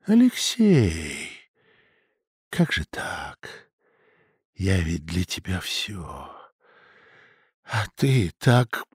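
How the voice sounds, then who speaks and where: A man's voice: low voice, wildly swooping pitch, extremely slow, pauses often, husky, no room sound, studio quality, pitched below the performer's own voice, full character voice. A man voicing a hot-tempered middle-aged innkeeper and father, blustering, in an audiobook. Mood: hushed hurt. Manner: blustering, swings from rage to hush.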